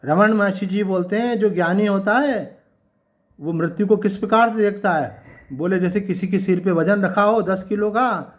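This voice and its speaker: A man giving a conversational devotional sermon, asking his listeners rhetorical questions and reciting couplets slowly. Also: high voice. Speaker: swami giving a Gita discourse.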